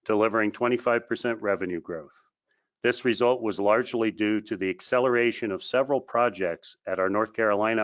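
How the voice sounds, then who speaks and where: A man reading a scripted financial results presentation in a formal, measured way, as a company executive on a conference call. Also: fairly low pitch. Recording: dull, lo-fi conference call audio.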